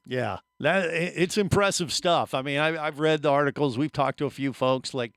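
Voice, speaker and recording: A man hosting a radio show, asking a guest questions in an excited, rambling way. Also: on the high side, moderate pace, no room sound, clean studio sound. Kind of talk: interview conversation. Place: radio studio.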